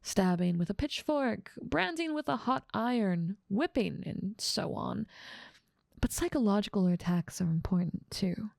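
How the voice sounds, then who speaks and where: A dominant demon ruler of hell, acted by a woman, speaks in an ASMR roleplay with a creaky edge to her voice. She is teasing and condescending, with playful menace, and the recording is close and dry. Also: mid-range voice, expressive, unhurried, a little mellow, no room sound. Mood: teasing, commanding. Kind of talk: ASMR roleplay audio drama.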